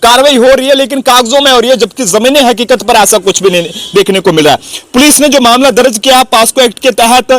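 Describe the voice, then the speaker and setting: A man's voice: very high voice, fast, fairly bright tone, slight background noise. A man reporting the news in the field, rambling a little and correcting himself mid-sentence. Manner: rambling, fills gaps with "jo hai wo". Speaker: journalist reporter.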